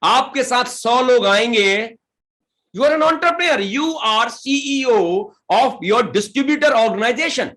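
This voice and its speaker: An Indian man with a high, bright-sounding voice leads a motivational direct selling seminar. His English is slow and drawn out, and he breaks into quick Hindi to press his points home. He keeps asking his listeners to join in. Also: expressive. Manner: mixes slow, deliberate English with rapid Hindi; rallying the audience with questions.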